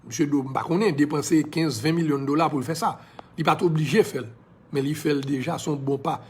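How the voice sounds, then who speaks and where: Man, Haitian accent, slightly high voice, impassioned, preachy, casual live video monologue. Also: steady tone, a little fast, darkish tone. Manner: impassioned, preachy, slips into English phrases. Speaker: social media personality.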